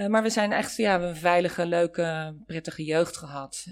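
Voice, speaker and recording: Here a woman speaks in a plain, everyday voice. Her pitch is fairly low and her pace fairly quick. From Netherlands, Lisse (South Holland). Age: 50s. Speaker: regression therapist. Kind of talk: conversational interview. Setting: kitchen table at home.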